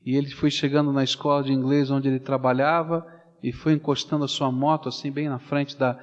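A man with a Brazilian Portuguese accent preaching a sermon, swinging from loud animated storytelling to hushed, slow pleading. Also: medium pitch. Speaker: pastor. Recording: dull sound with long hall reverb.

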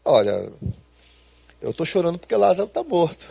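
A preacher voicing a calm, patient adult male teacher who explains unhurriedly. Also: on the high side, moderate pace, gravelly, husky, dry recording, heavily acted.

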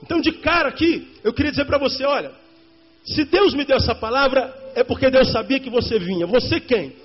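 A male pastor with a very high voice preaches a sermon fairly quickly, speaking straight to the congregation and repeating key lines for emphasis. The sermon recording is dull and lo-fi, with faint music behind it.

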